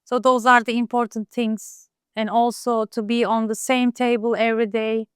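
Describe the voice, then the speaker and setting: Smooth-voiced woman. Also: on the high side, level tone, normal speed, dry recording, studio quality. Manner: soft-spoken, hesitant, many fillers, laughs often. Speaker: guest, home cook. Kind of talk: casual interview. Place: home in Istanbul.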